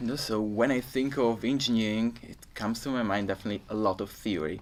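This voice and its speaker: A man at medium pitch with an Italian accent, at a very fast pace. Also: ordinary pitch variation. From Italy. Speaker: student assistant. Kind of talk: interview Q&A. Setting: webinar.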